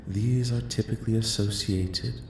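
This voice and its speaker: A man plays an alien researcher in an ASMR roleplay, soft-spoken and on the low side. The questions come formally and politely, with detached, clinical curiosity. The voice echoes over a faint noisy rumble. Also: steady tone, moderate pace, lightly acted. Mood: calm, curious. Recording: echoing voice with faint rumbling noise.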